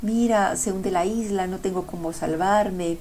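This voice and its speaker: A woman's voice: medium pitch, a little slow, darkish tone, a little hiss or hum, close to an everyday voice. A woman voicing Love as a desperate male figure in a spoken fable, pleading in a raised, frantic voice.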